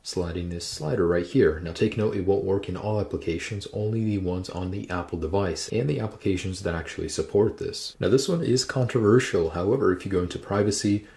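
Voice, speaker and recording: Guy with a low gravelly voice doing a step by step phone tutorial. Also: a little fast, few pauses, dark tone. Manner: step-by-step instructional, walks through menus. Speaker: tech tutorial host. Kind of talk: screen-recorded how-to narration.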